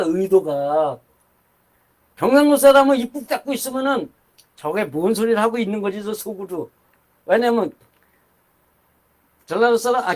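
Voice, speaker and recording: An older man preaching a sermon in a conversational, rambling way, with asides and restarts. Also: extremely high pitch. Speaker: pastor.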